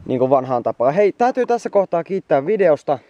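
A man's voice: on the high side, very animated, mellow, highs cut off. Tired young man rambling while riding. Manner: rambling, chatty, swears often, tired. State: exhausted. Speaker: vlogger on a moped trip. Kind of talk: casual travel vlog to camera.

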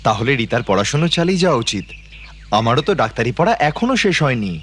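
Cartoon lead: a reasoning young student son, quick and lively. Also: male voice, medium pitch, a little hiss or hum. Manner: calm, reasoning, respectful. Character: polite young man, medical student son.

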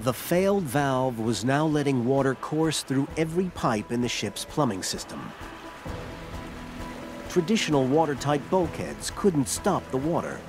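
Guy doing doc voice-over, measured and dramatic, music playing loud under him. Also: mid-range voice, big pitch swings. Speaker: documentary narrator. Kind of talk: scripted narration. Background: loud music score.

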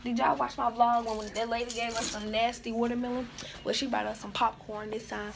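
Gravelly young woman vlogging. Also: fairly high pitch, level tone, a little fast. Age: young adult. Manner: chatty, talks straight to viewers. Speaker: college vlogger. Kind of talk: casual vlog chat. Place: indoors around campus facilities. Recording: noisy background.

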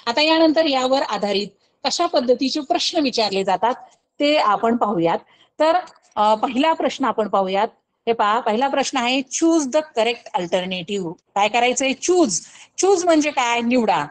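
Woman teacher with a Marathi accent, fairly high voice, patient exam-coaching delivery that checks in with the class. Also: animated, rough recording. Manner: explains slowly, asks pupils rhetorical questions, imitates animal sounds. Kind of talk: scholarship exam coaching lesson. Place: recorded online lesson.

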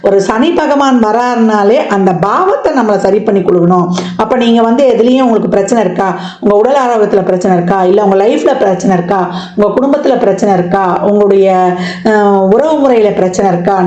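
A woman astrologer explaining a yearly forecast in a steady, explanatory way, listing one point after another with many fillers. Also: mid-range voice, fairly quick, echoey room, highs cut off. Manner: explanatory, lists items with frequent fillers.

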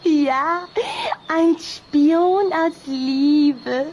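High girlish voice, little vampire girl, teasing and gossipy, unhurried, children's radio play, faint-to-clear background noise. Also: darkish tone, highs cut off. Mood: excited, mischievous. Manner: playful, gossipy.

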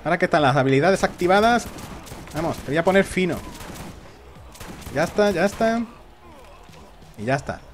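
A man commentates his own gameplay, his voice sitting a little high and swinging up and down in pitch. He jokes as he plays and taunts the enemies on screen. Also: expressive, normal speed, pauses often, slight background noise. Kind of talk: live gaming commentary.

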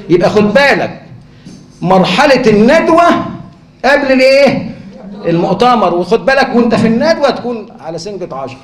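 A man with an Egyptian accent giving a conference lecture, who keeps asking rhetorical questions and answering them himself. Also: sits high. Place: lecture hall. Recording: echoey hall.

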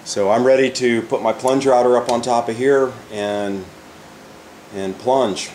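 A man's voice: mid-range voice, fairly even intonation, measured pace, darkish tone, a little hiss or hum. An older man in a woodworking shop, thinking aloud as he demonstrates a project and often restarts his sentences. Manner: thinking aloud while working, frequent restarts. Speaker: woodworking instructor. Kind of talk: casual workshop demonstration.

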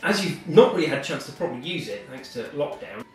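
A man's voice: on the high side, expressive, fast, a little mellow. A man with an English accent hosting a casual chat while gaming, reacting and chipping in as he goes. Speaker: host, interviewer. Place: living room, indoors. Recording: echoey room, distant mic, faint music.

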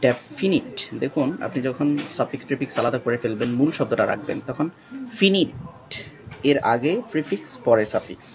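A man whose first language is Bengali, teaching English spelling slowly and spelling words out letter by letter, with many pauses. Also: mid-range voice, animated, a crowd in the background. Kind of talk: spelling lesson. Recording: dull lo-fi sound with faint background noise.

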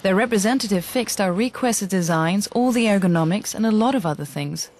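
An actress voicing a dairy farmer's wife in a scripted advertisement voice-over, calm and matter-of-fact. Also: female voice, mid-range voice, fairly quick, close to an everyday voice. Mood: content. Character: proud dairy farmer's wife, practical and content. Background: music.

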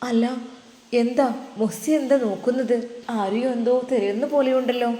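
A woman's voice: a little high, fairly even intonation, moderate pace, warm tone, voice pushed up, lightly acted. A woman voicing an elderly, caring Arab mother figure who speaks up with concern. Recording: echoey reverberant room.

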